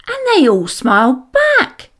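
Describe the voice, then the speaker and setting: A woman voicing eager, proud young schoolchildren in a storybook, excitable and sing-song. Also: high-pitched, slow, pitched above the performer's own voice, full character voice. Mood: proud, excited.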